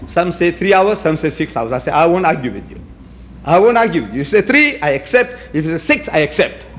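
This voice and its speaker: A man's voice: a little high, a little hiss or hum. Emphatic man lecturing an audience. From South Africa. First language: Gujarati. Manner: emphatic, rhetorical, quotes debates in dialogue. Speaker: public speaker on religion.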